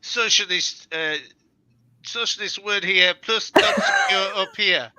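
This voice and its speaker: Brief: a man playing a clowning pirate sidekick, high bouncy voice, broken English. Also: huge pitch swings, slow, bright, forceful tone, exaggerated voice, poor audio. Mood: joking.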